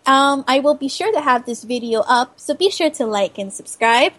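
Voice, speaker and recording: A woman's voice: high-pitched, animated, moderate pace, a bit bright. A tired woman hosting a podcast, signing off in a chatty, rambling way. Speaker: podcast host. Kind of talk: casual chat.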